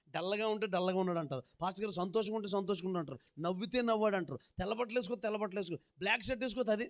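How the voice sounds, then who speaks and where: Preaching in a voice that sits high, a male pastor tells folksy stories. He has the congregation repeat verses after him in rhythmic, repeated phrases.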